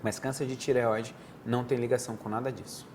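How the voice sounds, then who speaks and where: A male surgeon from Brazil, explaining as a guest at a TV studio desk. His voice sits at a middle pitch for a man. He talks in a patient, teacherly way and often restarts mid-phrase. A faint noise can be heard behind him. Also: level tone, fairly quick, a little mellow. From Northeastern Brazil. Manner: didactic, conversational, frequent restarts. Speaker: head and neck surgeon, guest. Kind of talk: explanatory interview answers.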